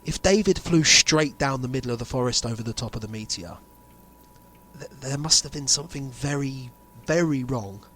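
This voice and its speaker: A man playing a grave insider revealing a sinister conspiracy in an amateur audio drama, speaking deliberately with dramatic pauses. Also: medium pitch, animated, a bit bright. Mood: explanatory, intent.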